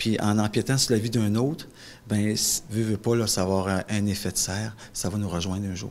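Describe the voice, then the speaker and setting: A man's fairly low voice, with fairly even intonation and a moderate pace. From Schefferville, northern Quebec; Quebec. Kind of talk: interview. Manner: hesitant, repeats words. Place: hall. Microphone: handheld.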